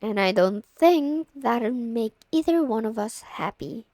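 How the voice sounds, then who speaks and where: Casting: actress as a friend's bossy older sister, young, teasing and coy, unhurried delivery, close dry sound for ASMR roleplay. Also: female voice, fairly high pitch, expressive, a little mellow, dry recording. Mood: weary, grumbling. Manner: casual, teasing, coy, lightly exasperated. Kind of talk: intimate ASMR audio roleplay.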